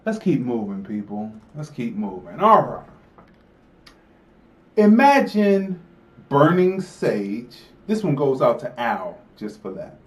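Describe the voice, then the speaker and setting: A man hosting a podcast, talking in casual commentary, animated and joking, laughing often. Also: mid-range voice. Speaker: podcast host.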